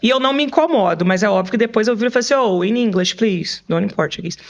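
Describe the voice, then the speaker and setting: A woman English teacher in a casual podcast chat, talking expressively and rising in pitch when she gets enthusiastic. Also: fast, highs cut off.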